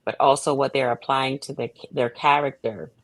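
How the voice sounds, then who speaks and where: A woman's voice: a bass voice, steady tone, normal speed, no room sound. A woman guest talking conversationally in an interview, earnest and emphatic. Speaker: playwright and director, guest.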